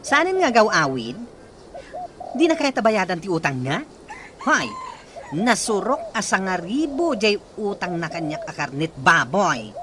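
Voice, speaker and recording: An actor playing a flamboyant gay man who loudly demands repayment of a debt, speaking in a radio drama. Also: medium pitch, sing-song, unhurried, noisy background. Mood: complaining. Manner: loud, indignant, shouting threats.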